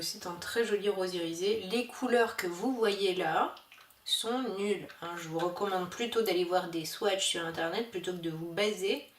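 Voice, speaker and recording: Chatty woman vlogger, casual and halting, recorded a bit far off in an echoey room with faint hiss. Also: medium pitch. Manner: chatty, hesitant with many fillers. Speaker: beauty vlogger. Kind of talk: casual haul video chat.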